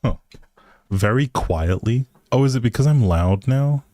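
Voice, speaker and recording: A man's voice: mid-range voice, expressive, a little slow, warm tone, dry recording, clean studio sound. A man live streaming a game, chatting casually with viewers and thinking aloud in an easygoing, polite way. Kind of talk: casual livestream chat over gameplay.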